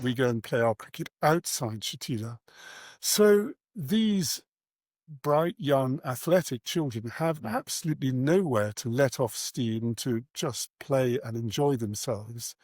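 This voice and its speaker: A man's voice: medium pitch, darkish tone, dry recording. Earnest middle-aged man, close dry recording. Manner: earnest, articulate, measured with pauses. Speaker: interview guest, charity founder and cricket coach. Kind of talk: reflective interview answers.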